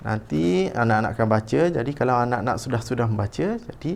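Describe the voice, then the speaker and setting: A man's voice: medium pitch, expressive, quick pace, gravelly, darkish tone. A man with a Malaysian Malay accent teaching a primary school lesson, often repeating himself with "okey, baik" fillers. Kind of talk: online lesson, reading a textbook.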